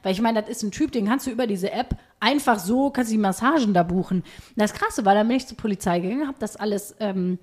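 A woman's voice: mid-range voice, quick pace, darkish tone. A young woman co-hosting a podcast, casually telling personal stories in colloquial language. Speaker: podcast host. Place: recorded at a home.

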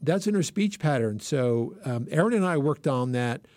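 A man talking casually on a podcast, circling back and restarting his sentences. His voice sits at an ordinary middle pitch. The sound is close and dry, with no room around it. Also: animated, moderate pace, a little mellow, no echo. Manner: rambling, restarts often. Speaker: podcast co-host. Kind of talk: casual chat.

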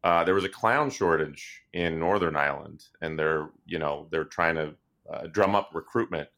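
A man chatting casually as a panellist, halting as he goes, with a deadpan manner. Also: very deep voice. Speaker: journalist, roundtable panellist. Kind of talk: casual chat.

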